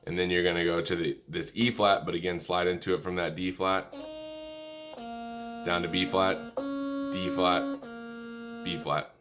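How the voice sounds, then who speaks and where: A man giving an informal music lesson, calling out notes in a halting, easygoing way and correcting himself as he goes. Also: deep voice, steady tone. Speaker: music tutorial instructor. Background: musical instrument playing between and under phrases.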